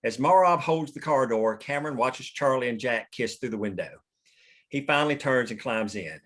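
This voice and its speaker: A man's voice: medium pitch, animated, normal speed, fairly bright tone. A man reading stage directions as scripted narration at a table read, in a plain, matter-of-fact manner.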